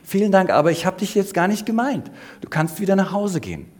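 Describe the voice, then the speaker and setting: A man voicing a woman missionary who calls out loudly and pleadingly to her listeners, in a children's story. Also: high voice, wildly swooping pitch, takes it slowly, voice pushed up, exaggerated voice. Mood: kindly firm.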